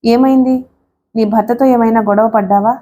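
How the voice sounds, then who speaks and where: A woman's voice: fairly high pitch, fairly even intonation, normal speed, mellow, a little hiss or hum, lightly acted. A woman voicing an eager young man who asks insistent, anxious questions in an audiobook.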